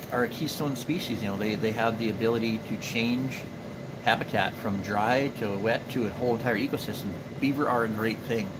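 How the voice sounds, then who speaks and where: A man's voice: lowish voice, heavy background noise. A man in his forties with an Upper Midwest accent, chatting casually on a live stream, rambling with fillers and restarts. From Minnesota. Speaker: livestream host and beaver trapper. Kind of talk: casual live stream chat answering viewers.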